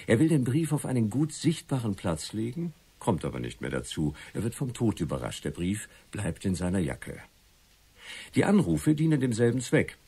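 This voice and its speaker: An actor in a German radio play playing a confident crime writer who explains things deliberately and theatrically. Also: male voice, deep voice, darkish tone, slightly rough, heavily acted. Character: confident crime writer laying out his theory methodically.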